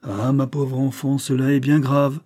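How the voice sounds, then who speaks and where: A man reading aloud and voicing an old white-bearded grandfather who speaks gravely and tenderly to his granddaughter. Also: mid-range voice, monotone, unhurried, mellow, pitched above the performer's own voice, close to an everyday voice.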